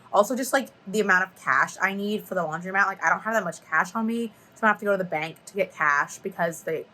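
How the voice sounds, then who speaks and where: A young woman vlogging casually at home, her voice hoarse and partly gone, rambling with lots of fillers. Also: mid-range voice, sharp tone, rough recording. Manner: rambling, with many fillers and restarts. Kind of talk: casual vlog chat to camera. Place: at home, seated.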